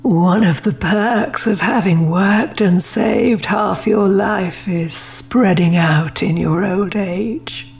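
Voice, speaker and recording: A woman acting a slow, creaky, genteel old lady. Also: mid-range voice, a little mellow. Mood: gracious. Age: older. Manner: genteel, unhurried, patronizingly sweet. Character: wealthy, frail but iron-gripped elderly lady, sweetly gracious. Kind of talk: audio drama acting.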